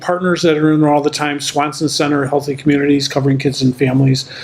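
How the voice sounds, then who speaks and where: A man with a fairly high pitch speaks in a monotone, flat intonation with very even loudness and hardly any pauses. Noticeable background noise is present. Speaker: homeless shelter executive director. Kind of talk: interview. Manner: fast.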